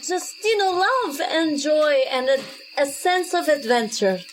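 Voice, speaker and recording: A woman's voice: high-pitched, expressive, a little slow, slight background noise, poor audio. A woman improvising casually as a player in a tabletop role-playing game.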